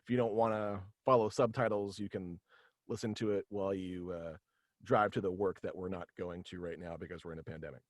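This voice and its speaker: Young guy on a video call, rambly and kinda halting, casual chat, no room echo. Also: sits low, fairly even intonation, clean studio sound. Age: young adult. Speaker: guest, voice actor and podcast creator.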